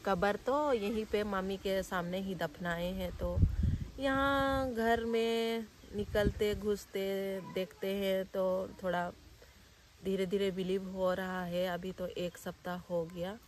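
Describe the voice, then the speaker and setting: A young woman vlogger talking quietly and sadly, standing outdoors near family graves. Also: medium pitch, steady tone, a little hiss or hum. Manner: subdued, grieving, speaks slowly and softly. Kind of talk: personal vlog talk.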